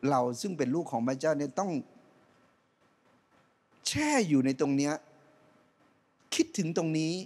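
A middle-aged man preaching a sermon on a church stage into a handheld mic, animated, swinging from loud rising calls to soft low asides. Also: moderate pace, long pauses. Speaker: pastor.

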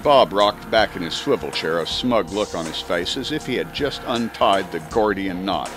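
A man narrates a spy audiobook with theatrical emphasis. His fairly low voice swings widely in pitch, and faint music plays behind him. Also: lively intonation, normal speed, low-quality recording. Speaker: audiobook reader. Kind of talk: dramatic first-person spy story narration.

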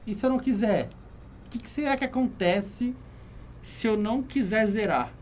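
A man's voice: high voice, moderate pace, darkish tone, a little hiss or hum. A man with a Brazilian Portuguese accent giving casual let's-play commentary, murmuring a running checklist of what he sees and talking to his chat. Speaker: gaming streamer.

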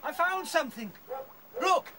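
A man's voice: extremely high pitch, animated, measured pace, a crowd in the background. A man acting in a radio play as a clever, eager rabbit who explains things. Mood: excited.

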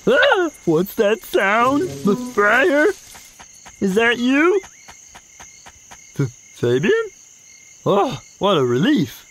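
A man's voice: drawn-out words, pauses often, exaggerated voice, low-quality recording. An actor playing a childish, clumsy male cartoon bear who whines and pleads, with music underneath. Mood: curious. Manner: whiny, pleading, high and lively.

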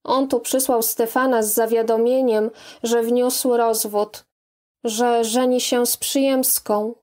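A woman reads a novel aloud as audiobook narrator. Her voice sits fairly high and she reads slowly, calm and measured. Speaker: audiobook reader. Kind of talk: scripted narration.

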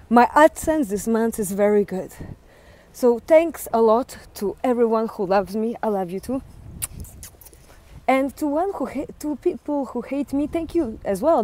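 A woman's voice: a little high, dark tone. A young woman with a Russian accent chatting candidly and playfully in a casual vlog, filming on a phone held at arm's length while walking outdoors. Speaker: vlogger. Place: home, gym, then outdoors on a city street.

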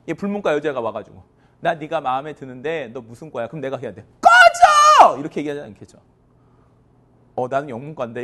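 A male English teacher lecturing a class, drilling students with call-and-response and counting them in. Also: fairly high pitch. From South Korea.

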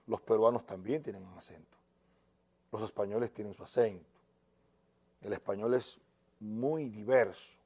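A man's voice: medium pitch, mellow. A man with a Dominican accent giving opinion news commentary in an emphatic, indignant way. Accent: Dominican Spanish. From Dominican Republic.

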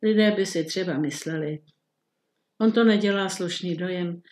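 A woman's voice: fairly low pitch, darkish tone, roomy sound, lightly acted. A woman reading the part of a flustered middle-aged male government minister, muttering and bewildered. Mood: confiding.

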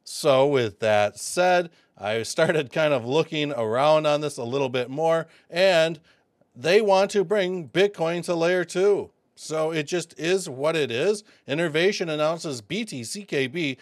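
A man hosting a casual crypto commentary video, excitable and chatty, with lots of fillers, calling his viewers folks. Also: fairly high pitch, unhurried, dry recording, clean studio sound.

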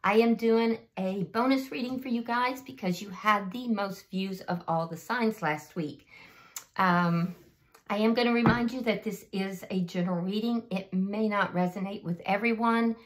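A woman hosting her channel reads tarot casually and without a script, talking directly to whoever is listening. Her voice is mid-range and a bit hoarse, at a normal speed.

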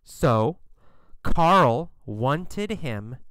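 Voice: mid-range voice, expressive, very slow, fairly bright tone, slight background noise. A teacher telling a story as a question-and-answer lesson, drilling each point with repeated questions and emphatic answers. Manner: emphatic, exaggerated delivery. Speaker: English teacher.

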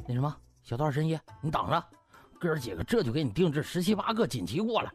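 A man's voice: fairly high pitch, big pitch swings, quick pace, soft background music. A man voicing an effusive rustic villager, gushing and folksy, in an audiobook. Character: effusive rustic villagers praising a young doctor.

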